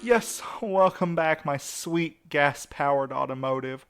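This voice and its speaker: A man's voice: a little high, slow, clean tone. A man playing a sardonic, grumbling young mail van driver in a naturalistic audio drama. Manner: sarcastic, grumbling.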